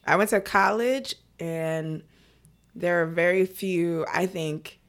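A young woman from Brooklyn in casual conversation, talking in a quick, reflective way. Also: fairly low pitch, clean tone. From Brooklyn, New York. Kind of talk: casual chat.

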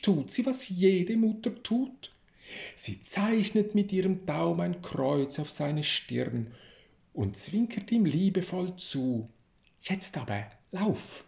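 A man narrating a story in a slow, measured reading style, in a roomy, slightly dull recording. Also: on the high side, creaky, darkish tone.

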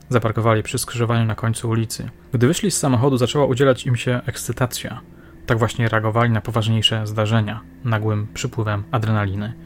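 A man reading a crime novel aloud in scripted, measured narration. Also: mid-range voice, slight background noise. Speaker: audiobook narrator.

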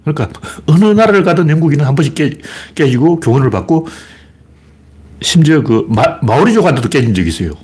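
A man with a Gyeongsang accent speaks in a deeply husky, raspy voice, with pitch that swings widely as he talks. He hosts a casual livestream, greeting viewers and rambling through opinionated, mocking commentary. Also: lively intonation, fast talker, a little mellow. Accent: Gyeongsang dialect. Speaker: livestream host.

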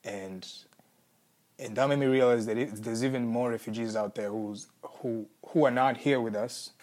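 A young man from Congo with a Kenyan accent, a musician answering interview questions in a thoughtful, searching way with restarts and soft laughs. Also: mid-range voice, fairly even intonation, normal speed. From Congo, raised in Kenya. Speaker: musician, former refugee.

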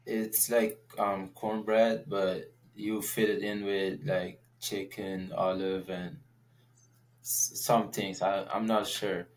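A man's voice: lowish voice, little pitch movement, takes it slowly, a little hiss or hum. A young man answering interview questions casually as a guest athlete, hesitant and speaking in simple short phrases. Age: young adult. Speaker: college baseball player, interview guest.

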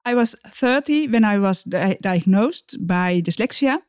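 A middle-aged woman, a guest expert on a podcast, speaking English in halting phrases that often restart. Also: medium pitch, lively intonation, a little mellow, clear, resonant tone, dry recording, studio quality. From Netherlands. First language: Dutch. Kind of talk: podcast interview.

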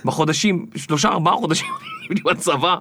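A man guest on an interview podcast, telling stories in a lively way and acting out the people in them. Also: fairly high pitch, background noise. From Israel. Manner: animated, acts out the people in his stories. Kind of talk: storytelling interview.

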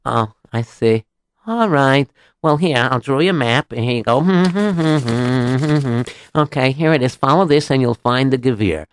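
A man's voice: mid-range voice, expressive, a little slow, clear, resonant tone, dry recording, lightly acted. A man voicing a wry, teasing Jewish townsman in a story, with a knowing, drawling manner. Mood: helpful.

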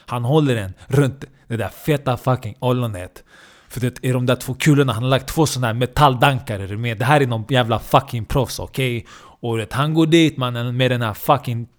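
Male storyteller, crude and animated, keeps checking the listener is with him; mid-range voice. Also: medium pitch. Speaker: comedian.

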